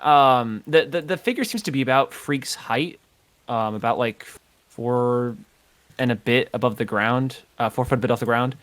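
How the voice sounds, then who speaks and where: A man's voice: mid-range voice, normal speed, fairly bright tone. A man narrating as game master of a tabletop game, hesitant and full of filler words. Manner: hesitant, full of ums and kinda.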